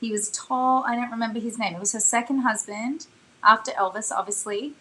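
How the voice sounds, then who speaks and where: A woman's voice: fairly high pitch, brisk, bright, forceful tone, slight background noise, poor audio. A woman chatting casually and reminiscing as a co-host of an interview show. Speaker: co-host, former cast member.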